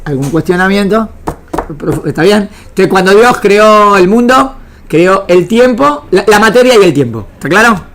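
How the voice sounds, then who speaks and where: A medium-pitched woman with lively intonation, normal speed, and a fairly bright tone teaches a small religion class, with slight background noise. She has an Argentine Spanish accent and runs an interactive lecture, repeating phrases and often asking if it's clear.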